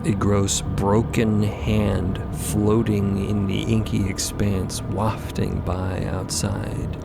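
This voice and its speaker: A man's voice: lowish voice, flat delivery, vocal fry. Dramatic male narrator over prominent music. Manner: dramatic, deliberate phrasing. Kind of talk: theatrical scripted narration.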